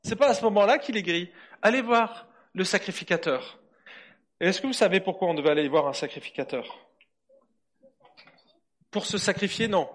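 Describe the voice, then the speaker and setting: A man's voice: high voice, fairly quick, long pauses. A man preaching a conversational sermon to children and adults, often questioning his listeners. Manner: asks the audience lively questions.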